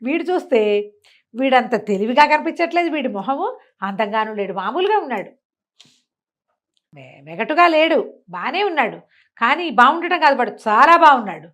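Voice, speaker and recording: A woman telling a village tale in a conversational way, animated and chatty with explaining asides. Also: sits high, moderate pace, pauses often. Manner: animated retelling, acting out characters' remarks, explaining asides to a co-host. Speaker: storyteller. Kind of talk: conversational oral storytelling of a village folk tale.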